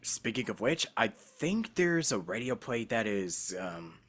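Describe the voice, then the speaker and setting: A man's voice: on the low side, sing-song, unhurried, a bit bright. A man hosting a podcast in a laid-back, informal, chatty way. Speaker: podcast host. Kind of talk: casual chat.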